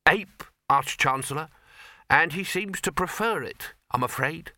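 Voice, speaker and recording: A man's voice: a little high, lively intonation, measured pace, sharp tone, no echo, clean studio sound, pitched above the performer's own voice, heavily acted. A man voicing a nervous, deferential bursar in a comic fantasy storybook, hesitant and stammering with strained politeness. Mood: pleading, hesitant. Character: nervous, placating, deferential male university bursar at a wizards' college.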